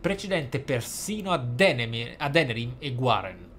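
A man with a mid-pitched voice reads journal text from a video game aloud. His delivery is measured and a touch theatrical, like a gaming YouTuber in a roleplay playthrough. Light game ambience noise sits behind him. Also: sing-song, a bit bright.

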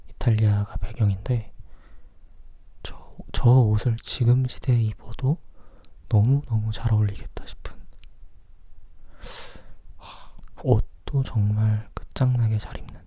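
Very soft, dark breathy whisper. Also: medium pitch. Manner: whispering softly, as if leaning in close. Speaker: film review vlogger. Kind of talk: whispered ASMR film review, chatty.

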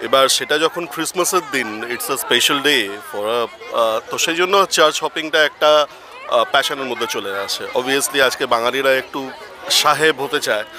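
A middle-aged man with a Bengali accent, answering a street interviewer in a relaxed way and mixing in English phrases. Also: medium pitch, moderate pace. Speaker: interviewee, visiting father. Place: crowded churchyard lawn outdoors. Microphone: reporter's handheld mic. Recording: clear crowd noise outdoors.

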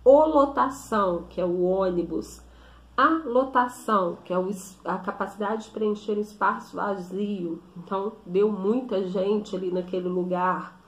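A woman teacher explaining a grammar lesson slowly, often stopping to check with her students. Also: mid-range voice. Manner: slow, explanatory, with frequent check-in questions. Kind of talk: recorded classroom lesson. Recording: echoey room.

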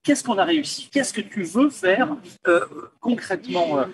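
A man in his fifties hosting an interview, animated and gesturing, often restarting his sentences, in a small padded booth. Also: sits high, normal speed. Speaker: host. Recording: distant mic, crowd noise behind.

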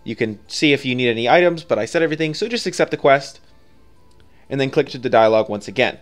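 A man talks through a game walkthrough step by step. His voice is clear and mid-pitched, and his manner is informal and conversational. Faint music plays behind him. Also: animated, fast talker. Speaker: video game guide creator.

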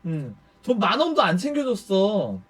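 A man with a high voice that swings widely up and down tells a personal story to his viewers. His delivery is casual and animated, and he curses freely and acts out other people's lines as he goes. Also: normal speed, breathy edge. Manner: animated, swears freely, acts out quoted speech. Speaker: YouTuber storyteller.

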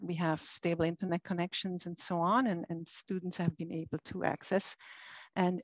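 A woman with a Swiss accent speaks on an online panel through a laptop webcam, her voice a little low and the audio dull and lo-fi. She talks in an earnest way, restarting phrases as she goes. The sound is dry, with no room around it. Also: dry recording. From Switzerland. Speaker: university lecturer. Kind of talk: panel presentation. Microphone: laptop webcam on a video call. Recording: dull lo-fi video call audio.

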